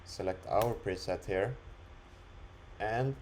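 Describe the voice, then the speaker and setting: A man talking through an unscripted screen-recorded software demo, explaining it step by step in an instructional way. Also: fairly low pitch, slow, a little hiss or hum. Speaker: software demonstrator.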